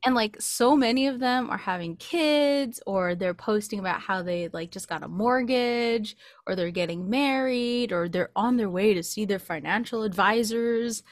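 A woman's voice: mid-range voice, normal speed, hardly any pauses, no room sound. An American woman in her late twenties chatting casually as a podcast co-host, telling personal stories into a close studio mic. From California, United States. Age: late 20s. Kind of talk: casual chat, personal anecdotes. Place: small indoor home recording setup. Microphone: close studio mic with pop filter.

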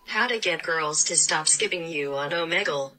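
A woman's voice: deep voice, normal speed, bright, forceful tone, rough recording. A woman reading scripted titles and step-by-step instructions as an announcer.

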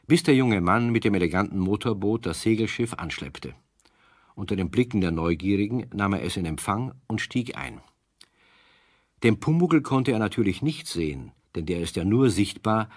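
An actor as the calm, wryly sympathetic narrator of a children's audio play. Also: male voice, low-pitched, no echo, clean studio sound. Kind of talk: scripted children's story narration.

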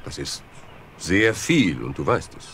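An actor playing a mysterious count, also disguised as a priest, who speaks in a measured, polite and controlled way in a radio play. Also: male voice, deep voice, very animated, a bit bright, slight background noise, full character voice. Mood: warm, guarded.

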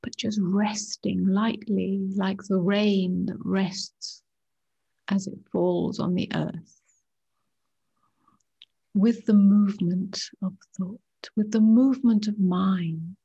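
A woman meditation teacher guiding a practice in a soft, hushed voice that often nears a whisper, with short unhurried phrases. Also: mid-range voice, steady tone, gravelly, husky, lo-fi sound. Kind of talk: guided meditation, slow and gentle with long pauses.

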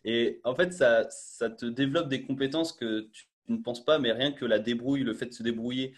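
A man's voice: mid-range voice, moderate pace. A young man talking casually as a guest on a video call, with many fillers and restarts, through an earphone mic. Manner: chatty, full of fillers and restarts. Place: small bright room indoors.

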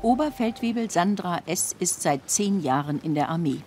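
A woman's voice: on the low side, animated, moderate pace, music in the background. A woman reading scripted narration for a television documentary report.

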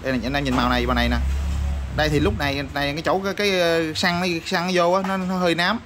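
Man, rapid repetitive hawking, slightly high voice, noisy backdrop with passing vehicles. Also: steady tone. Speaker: used motorbike parts seller. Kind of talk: casual product showcase sales patter. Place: parts shop or workshop.

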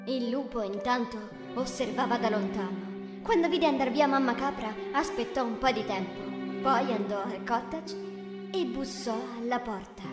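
A woman narrating a children's fairy tale in an expressive storytelling voice. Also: fairly high pitch, normal speed. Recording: echoey, reverberant room with music.

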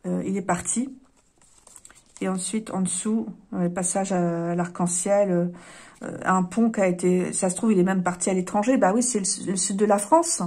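A woman giving a casual tarot card reading, hesitant and apologetic, often pausing and sighing. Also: medium pitch, steady tone, darkish tone. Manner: hesitant, apologetic, with frequent fillers and sighs.

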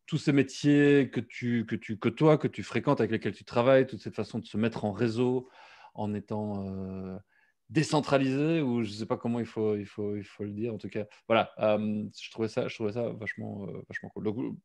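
A man's voice: on the low side, steady tone, normal speed, darkish tone, no echo. A man hosting a live conversation, rambling with many fillers and repeated words. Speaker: host.

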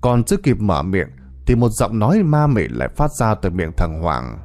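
Man telling a spooky story, dark mellow voice, really dramatic ups and downs, dry close sound. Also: fairly low pitch, huge pitch swings, normal speed, a little hiss or hum. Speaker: horror story narrator. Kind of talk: scripted horror narration.

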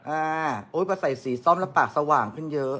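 A woman's voice: low-pitched, quick pace, fairly bright tone. A woman doing makeup on a livestream, teasing and joking crudely while she works, laughing often. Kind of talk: casual livestream banter.

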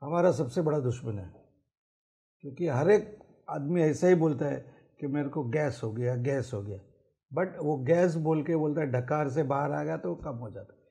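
Middle-aged male heart doctor, TV studio guest, gravelly mellow tone, slightly high, switches into English phrases. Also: normal speed. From Mumbai. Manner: mixes English phrases into Hindi, lists symptoms and risks. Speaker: cardiologist guest. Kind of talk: explanatory interview answers. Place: TV studio set.

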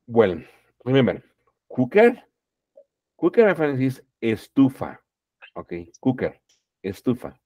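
A man's voice: mid-range voice, wildly swooping pitch, measured pace, long pauses, dry recording, narrow, tinny audio. A middle-aged man teaching English online, correcting students patiently and repeating "okay" through a headset. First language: Spanish. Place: home room, indoors.

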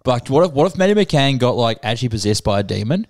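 Swearing young man, lively pitch. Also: fast talker. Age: young adult. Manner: swears a lot, jokes loudly. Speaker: podcast co-host. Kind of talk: casual crude banter. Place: living room couch, indoors. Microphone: handheld mic.

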